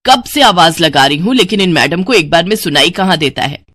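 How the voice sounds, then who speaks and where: A woman's voice: lowish voice, lively intonation, a little fast, a bit bright, no room sound. A woman voicing an exasperated, scolding middle-aged mother in a storybook tale. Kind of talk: storybook voice acting.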